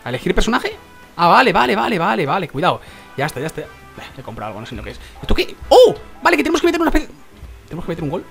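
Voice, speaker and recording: A young man with a Spain Spanish accent, giving excitable gameplay commentary and repeating words in rapid bursts. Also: sits high, creaky, soft background music. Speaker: gaming youtuber.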